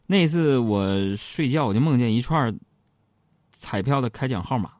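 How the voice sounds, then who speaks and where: A man's voice: medium pitch, lively intonation, moderate pace, darkish tone, no room sound, studio quality. A middle-aged man, hosting a comedic storytelling radio show and chatting straight to his listeners in a jokey way.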